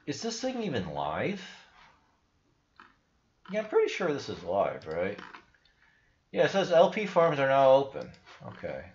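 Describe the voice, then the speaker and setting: A man's voice: mid-range voice, huge pitch swings, unhurried, long pauses. Skeptical young man, echoey lo-fi room. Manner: blunt, skeptical, rambling with restarts. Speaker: crypto channel host. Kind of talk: casual screen-share commentary. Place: small room indoors. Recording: echoey room, dull lo-fi sound.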